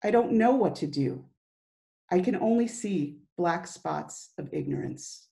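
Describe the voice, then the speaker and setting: A middle-aged woman gives a dramatic reading of a diary in halting, emotive short phrases. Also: fairly low pitch, animated, creaky, mellow. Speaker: volunteer diary reader. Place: indoor room, plain wall.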